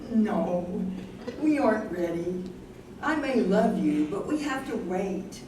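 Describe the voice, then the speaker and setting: A woman in a staged play reading, playing an ambitious, principled young woman weighing marriage, with measured delivery. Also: mid-range voice, lively intonation. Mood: firm, resolute. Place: live staged reading in a room. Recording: very echoey room, distant mic, noisy.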